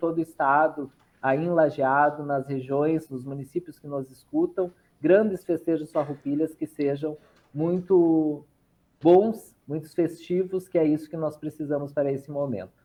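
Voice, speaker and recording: A woman talks at a fairly slow pace. Her pitch is very deep and low, with ordinary pitch variation. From interior of Rio Grande do Sul, Brazil. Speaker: state culture official. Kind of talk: radio interview.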